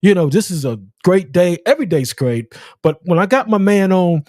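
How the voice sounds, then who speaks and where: A man hosts a casual live stream in a somewhat high, widely swinging voice. He is effusive and tends to say things twice or three times. The sound is close and dry, with little room to it. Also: animated, normal speed, a little mellow, dry recording. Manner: effusive, repeats himself. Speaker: call-in show host.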